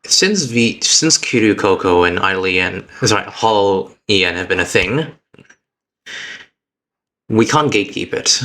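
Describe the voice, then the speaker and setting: Speaking to his chat as a VTuber, a man delivers an earnest, reflective personal speech that stops and restarts at an uneven pace. His pitch is fairly low, and his tone is animated, bright and forceful.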